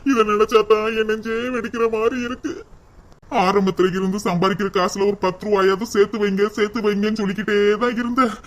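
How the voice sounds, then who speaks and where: A man's voice: high voice, flat delivery, fast, fairly bright tone. A man voicing a poor young cartoon husband who blames himself and laments through tears. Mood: weeping. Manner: sobbing, pleading lament. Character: poor young husband, tearful and self-blaming.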